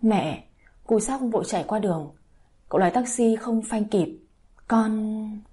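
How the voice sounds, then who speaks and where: A woman's voice: mid-range voice, measured pace, warm tone, breathy edge. A woman voicing a frantic young mother in an audio story who pleads through sobs. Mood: pleading. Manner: pleading, sobbing.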